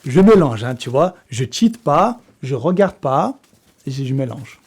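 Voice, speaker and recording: A man's voice: medium pitch, very animated, measured pace, darkish tone, breathy edge. A young man hosting a casual vlog giveaway, talking in slangy, chatty French with frequent swearing and laughs. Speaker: fitness youtuber running a giveaway draw. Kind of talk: casual vlog talk to camera.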